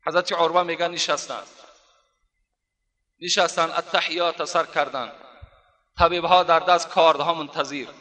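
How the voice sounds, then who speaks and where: A male preacher tells a devotional story to his dear brothers. He slows down to recite Arabic phrases. His fairly high, bright voice carries a long hall reverb. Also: steady tone. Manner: addresses listeners as dear brothers. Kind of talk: storytelling sermon.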